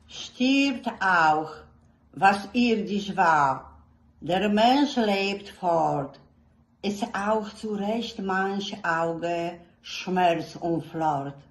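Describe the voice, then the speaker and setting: A woman from Poland recites poetry in a deliberate, expressive declamatory way. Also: mid-range voice. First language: Polish. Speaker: poetry reader, fan club representative. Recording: echoey room.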